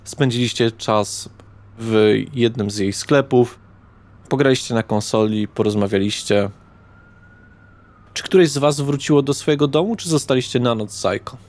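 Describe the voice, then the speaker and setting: A man narrating a tabletop horror roleplaying game as game master, in a deliberate manner with dramatic pauses. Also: mid-range voice, darkish tone. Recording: background guitar music.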